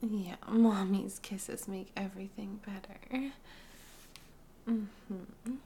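A woman in a whispered adult ASMR roleplay, speaking close to the microphone in a breathy, coaxing hush broken by soft hums. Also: mid-range voice, steady tone, slight background noise. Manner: slow, coaxing, intimate delivery.

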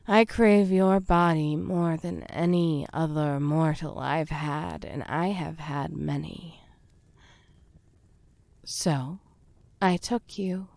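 A woman playing a slow, whispering fae queen. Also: low voice, darkish tone, dry recording, heavily acted. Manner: slow, breathy whispering, commanding. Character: domineering seductive fae queen, possessive and menacing. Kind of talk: audio roleplay.

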